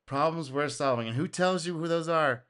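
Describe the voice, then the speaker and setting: A man hosting a casual reaction video, speaking in an animated way, laughing and acting out quotes, his voice going a little hoarse. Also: fairly high pitch, normal speed. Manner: animated, exclaims and laughs, acts out customer quotes. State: getting hoarse.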